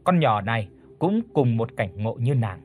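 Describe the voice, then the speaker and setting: A man narrating an audiobook story with a steady, even reading. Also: mid-range voice, normal speed, slightly rough.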